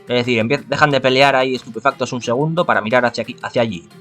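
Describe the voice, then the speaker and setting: A man's voice: medium pitch, very fast, a bit bright, faint music behind. A man with a Spanish accent from Spain, reading a visual novel aloud and stumbling, often correcting himself and adding asides. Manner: stumbling, frequent self-corrections.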